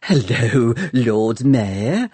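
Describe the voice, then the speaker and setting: A man voicing a fawning, ruthless woman scientist who simpers and twitters in a much higher voice. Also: big pitch swings, very slow, a little mellow, breathy edge, dry recording, heavily acted. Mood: simpering.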